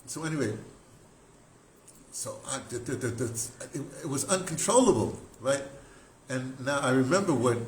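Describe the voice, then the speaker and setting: An older American man reminisces in a loose, excitable style, doubling back and repeating himself as he goes. His voice sits at a middle pitch. The room is echoey, with clear background noise behind him. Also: moderate pace. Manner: excitable, animated storyteller with broken, repetitive phrasing. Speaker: radio drama producer and talk host. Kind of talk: casual rambling reminiscence.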